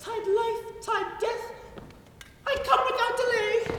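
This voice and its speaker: A put-on character voice, squeaky and extremely high in pitch, moves at a fairly slow pace. There is audible echo. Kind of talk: comic overacting. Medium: stage play.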